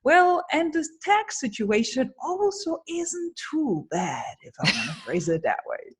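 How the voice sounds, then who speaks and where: A woman's voice: high-pitched, a little slow. A woman, a business coach giving candid, emphatic interview answers. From Germany. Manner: energetic, candid, emphatic storytelling. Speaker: guest, personal branding coach.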